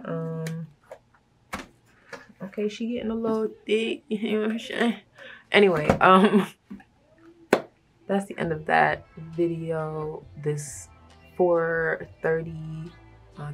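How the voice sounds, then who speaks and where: A woman with a low, rough voice, hoarse from a recent cold. She talks slowly and easily, in a chatty, relaxed way that is full of little laughs. There is a faint hiss behind her. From Brooklyn, New York. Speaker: budgeting vlogger. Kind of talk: casual chat while stuffing cash envelopes.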